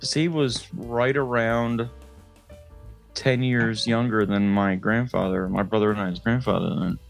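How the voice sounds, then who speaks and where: A man's voice: lowish voice, steady tone, a little slow, gravelly, soft background music. A man co-hosting a casual comedy podcast, talking in a rambling, loose way with some swearing. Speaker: podcast co-host.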